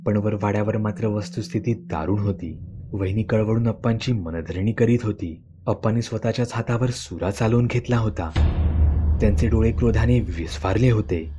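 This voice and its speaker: A man's voice: on the low side, moderate pace, noisy background. A man narrating a scripted horror story in a grave, dramatic manner.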